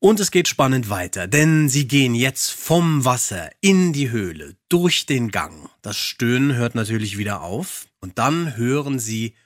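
A man's voice: medium pitch, sing-song, measured pace, hardly any pauses, dry recording, studio quality. A man co-hosting a podcast with casual, appreciative commentary and affirming interjections. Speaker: podcast co-host.

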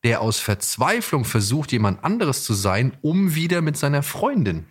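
A man's voice: mid-range voice, very animated, moderate pace, breathy edge. A man hosting a podcast in casual discussion, searching for his words and often repeating them as he goes. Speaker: podcast host.

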